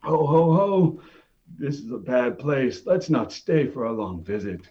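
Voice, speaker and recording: A man voicing Santa in a comedic story, booming and uneasy. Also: expressive, measured pace, mellow, lightly acted. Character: jolly but worried old Santa. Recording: dull lo-fi recording.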